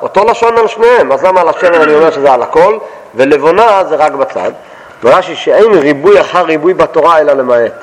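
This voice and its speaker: A man's voice: fairly high pitch, animated, in a large hall, poor audio. A man teaching a text study lesson, quoting each verse and then explaining it in plain everyday words, often asking and answering his own questions. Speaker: Torah teacher.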